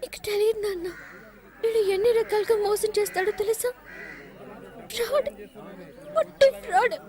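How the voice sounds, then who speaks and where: An actress playing a headstrong young woman who accuses and bosses others in sharp dubbed film dialogue. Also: very high voice, normal speed. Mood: accusing. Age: young adult. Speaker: film character.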